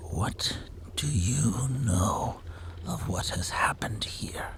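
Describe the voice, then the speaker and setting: Whispering at a very slow pace, a man puts on a character voice. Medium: actual play. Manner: formal, measured.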